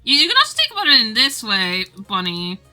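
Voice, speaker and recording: A woman with a strikingly bright, forward voice that sits a little high. She rambles casually to a livestream chat, teasing and giggly as she goes. Soft music plays behind her. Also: wildly swooping pitch, brisk. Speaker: streamer drawing game art live.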